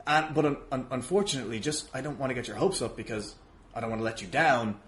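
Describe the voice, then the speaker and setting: Podcast guest: male, mid-pitched, hesitant and apologetic peacemaker in a comic row, slightly noisy recording. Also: fast. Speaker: podcast guest, wrestling show promoter. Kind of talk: improvised comedic argument on a podcast.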